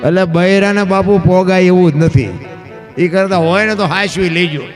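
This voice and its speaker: High-voiced folk storyteller. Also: male voice, steady tone, moderate pace, soft background music. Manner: folksy, addresses listeners as bapu.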